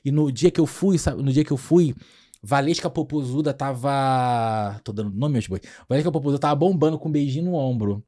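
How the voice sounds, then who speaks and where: A young Brazilian man, a comic actor, telling lively anecdotes on a podcast and often breaking into laughter. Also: mid-range voice, fairly quick. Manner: animated, laughing, acts out scenes. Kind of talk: casual anecdotal storytelling.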